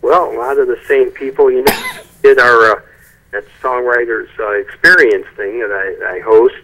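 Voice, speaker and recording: A man's voice: mid-range voice, steady tone, normal speed, pushed and bright. A man on a speakerphone call, chatting casually as an interview guest, rambling a little and restarting his sentences. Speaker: guest songwriter. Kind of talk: phone-in interview chat. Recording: phone line, breaking up.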